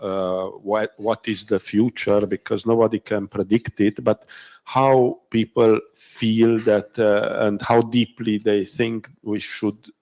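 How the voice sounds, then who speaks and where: A man moderating a conference session, speaking hesitantly with many pauses. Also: lowish voice, level tone, a little mellow, dull audio. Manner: hesitant, lots of pauses and fillers. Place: conference hall.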